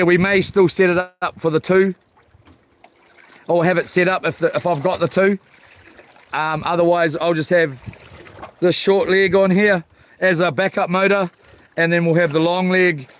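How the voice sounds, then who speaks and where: A man's voice: high-pitched, fairly even intonation, moderate pace, long pauses. A man with a broad New Zealand accent chats casually on a live vlog, rambling and hesitant, with slangy informal phrasing. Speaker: fishing livestream host. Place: outdoors on a small boat at sea. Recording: faint outdoor water and boat noise.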